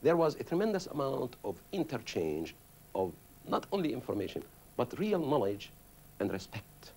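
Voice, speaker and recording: A man's voice: medium pitch, sing-song, moderate pace, creaky, a little mellow, slight background noise. A man from Palestine, interviewed, telling reflective and emphatic memories of growing up. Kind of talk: interview recollection.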